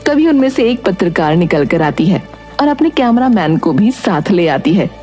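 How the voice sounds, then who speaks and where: A woman's voice: lowish voice, big pitch swings, normal speed, warm tone, faint music behind. A woman giving scripted narration for a moral story.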